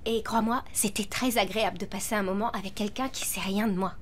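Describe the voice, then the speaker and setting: A woman's voice: medium pitch, steady tone, fairly quick, a little hiss or hum, close to an everyday voice. An actress dubbing a young woman film star who hides her fame, talking in an evasive, playful way. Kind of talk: French dub of a TV film.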